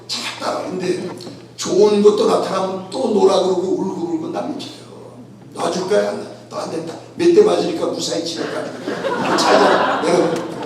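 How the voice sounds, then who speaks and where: Man preaching, high voice, animated storytelling, booming church echo, far from the mic. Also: a little hiss or hum. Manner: animated, acts out dialogue with his son, rhetorical questions. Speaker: pastor. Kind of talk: sermon with story. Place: church sanctuary.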